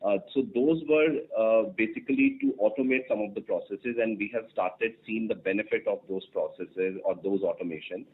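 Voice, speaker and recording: A man, a finance executive, answering an analyst on an earnings call, halting with many fillers. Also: fairly low pitch, breathy edge. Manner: halting, heavy fillers like uh and you know. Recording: phone-line audio.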